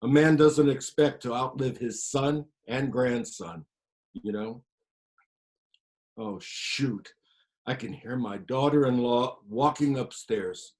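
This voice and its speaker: A man performing a one-man play as a grieving older farmer grandfather, telling stories in a quiet, subdued voice. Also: mid-range voice, slow, close to an everyday voice. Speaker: actor.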